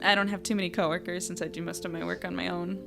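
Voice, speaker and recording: Creaky-voiced, guarded young woman played by an actress. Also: lowish voice, flat delivery, fast talker, over music. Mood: hesitant, casual. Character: guarded young woman, new in town, independent. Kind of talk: naturalistic audio drama acting.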